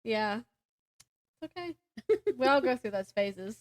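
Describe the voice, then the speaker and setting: A woman co-hosts a casual book chat. Her voice is a bit higher than average. She is agreeable and supportive, nudging the conversation along with questions. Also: lively intonation, measured pace. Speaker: podcast co-host.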